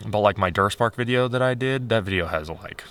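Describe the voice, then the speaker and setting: A man talking in a casual, unscripted vlog style, candid and rambling as he thinks aloud, his voice getting a little hoarse. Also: on the low side, a little fast, fairly bright tone. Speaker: video creator.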